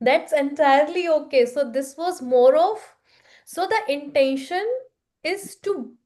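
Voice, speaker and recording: At a fairly slow pace, a woman speaks in a high voice with ordinary pitch variation. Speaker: workshop facilitator. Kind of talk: workshop guidance.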